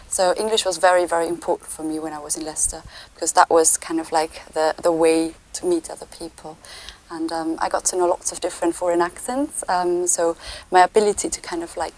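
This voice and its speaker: Flat-voiced woman. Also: lowish voice, rough recording. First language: German. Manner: thoughtful, with many hesitations and fillers. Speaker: interviewee. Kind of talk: unscripted personal reflection.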